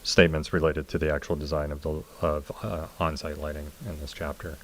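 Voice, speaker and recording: A man with an extremely deep voice presents as a planning consultant. He explains things informally, in the setting of a public council meeting. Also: flat delivery, fairly quick, a bit bright. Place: city council meeting room.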